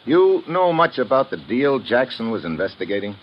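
An actor in a 1950s radio drama playing a tough, wry American government agent, clipped and sardonic. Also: male voice, medium pitch, very animated, moderate pace, close to an everyday voice. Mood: wry, probing. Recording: dull, noisy old radio recording.

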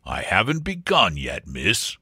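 Faithful, servile butler, done by a male narrator: deferential comic storybook delivery, lively pitch, very dry recording. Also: measured pace, creaky, slightly rough, dry recording, heavily acted. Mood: menacing.

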